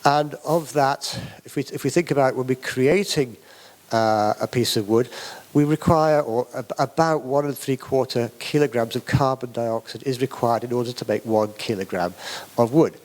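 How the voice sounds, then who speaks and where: A middle-aged man with a British accent speaks at a public talk. He hesitates often, with many "uh"s and repeated words as he finds his way. His voice sits at an ordinary middle pitch. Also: moderate pace, darkish tone. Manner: hesitant, many fillers and restarts. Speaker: academic speaker on wood construction.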